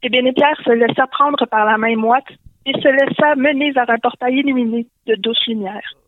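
A woman's voice: on the high side, moderate pace, no echo. A Québécois woman narrates a comic tale over the phone in a playful tone. Her voice is narrow and tinny, and the room sounds dry. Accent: Québécois French. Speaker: guest storyteller. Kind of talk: comic story reading. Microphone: phone call.

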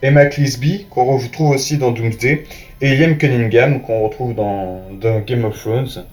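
A man hosting a casual spoken review, talking straight to the listener in a relaxed, halting way with lots of fillers and restarts. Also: mid-range voice. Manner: hesitant, many fillers and restarts; informal, talks directly to the listener. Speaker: host reviewing a film's box art. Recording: echoey room with faint music.

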